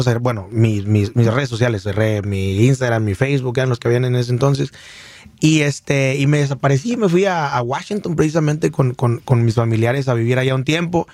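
In a laid-back radio interview, a guest singer from Michoacán, Mexico, recounts his story, wandering off with many fillers and restarts. His mid-range voice is a little mellow, and the recording is dry.

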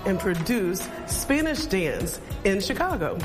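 Company director talking dance, calm but passionate, music behind. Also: mid-range voice, slow. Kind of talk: interview.

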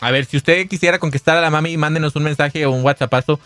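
A man's voice: fairly even intonation, fast talker, fairly bright tone, dry recording, soft background music. A man with a Mexican accent, co-hosting a casual chat show, teasing and joking. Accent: Mexican Spanish. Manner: teasing, jokey, rises to high squeals. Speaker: radio co-host.

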